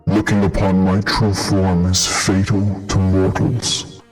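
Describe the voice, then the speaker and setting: A man game master voicing a monstrous female bone creature through a deep voice changer that makes him sound muffled and underwater, speaking in slow, solemn pronouncements. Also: level tone, soft background music. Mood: cold commanding. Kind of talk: voicing a figure in a tabletop game. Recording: voice changer with long reverb.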